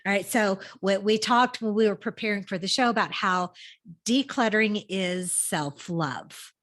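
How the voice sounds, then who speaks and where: A woman's voice: medium pitch, unhurried, a bit bright. Upbeat woman podcast host. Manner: upbeat, enthusiastic, stumbles over words. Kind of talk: podcast interview hosting.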